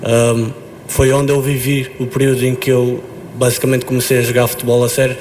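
A man's voice: medium pitch, flat delivery, a little fast, darkish tone, slight background noise. A young man, a footballer, answering press conference questions hesitantly with many fillers and restarts.

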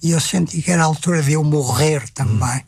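An older man with a European Portuguese accent, a retired publisher reflecting at a measured pace and repeating phrases as he thinks. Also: on the high side, a little mellow, husky, no room sound. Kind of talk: reflective conversation.

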